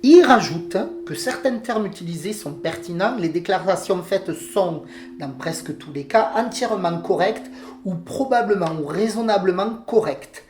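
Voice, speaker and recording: A woman's voice: lowish voice, expressive, moderate pace, a little mellow, slight background noise. A woman with a southern French accent, co-hosting a podcast and reading out a report, hesitating with fillers when she talks freely. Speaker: podcast co-host. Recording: roomy home podcast recording.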